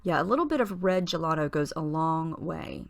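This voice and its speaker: A woman narrates a craft tutorial in a slightly low, husky morning voice. She talks in a relaxed, chatty way, pausing on small fillers as she explains each step. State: husky morning voice, clearing her throat. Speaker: scrapbooking tutorial host. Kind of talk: casual voice-over narration of a craft process.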